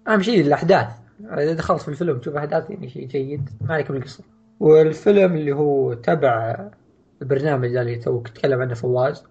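A man's voice: a little high, darkish tone, breathy edge, highs cut off. A man co-hosting a casual podcast, offhand and dismissive in tone. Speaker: podcast co-host.

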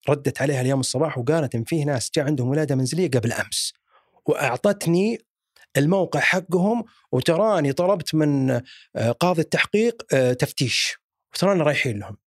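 A man's voice: a little high, expressive, fast talker, no room sound, studio quality. A man with a Saudi accent voicing a weary male boss in a told story. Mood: tired. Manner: weary and matter-of-fact.

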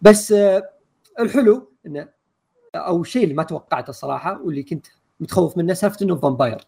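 Man, rapid casual chat, gravelly husky voice, rambling with fillers. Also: a little high, lively intonation, a little mellow. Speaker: podcast co-host.

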